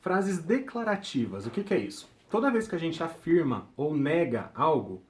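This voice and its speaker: A young man walks students through a grammar lesson. His voice sits somewhat high for a man, and he checks in with the class after nearly every point. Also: very animated, normal speed. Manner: ends points with check-in tags like "tudo bem?". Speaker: teacher.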